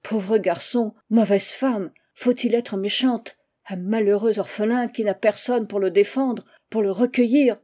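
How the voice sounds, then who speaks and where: A woman's voice: medium pitch, a little slow, dark tone, natural voice. A woman voicing a kind, protective servant woman in a storybook, speaking familiarly. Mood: indignant.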